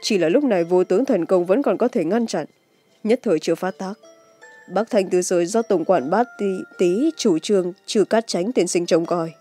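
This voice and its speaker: Casting: stoic young swordsman read by a woman, mellow tone, cool and measured, wuxia audiobook with music. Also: fairly low pitch, close to an everyday voice. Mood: resigned, tender. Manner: composed, measured. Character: calm, cold young male master swordsman, stoically facing death.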